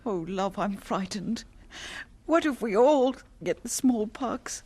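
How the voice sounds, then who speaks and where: A woman's voice: mid-range voice, animated, slow, a little mellow, slightly rough. An actress playing a frightened, tender gypsy mother in a radio drama, faltering and fretful yet soothing.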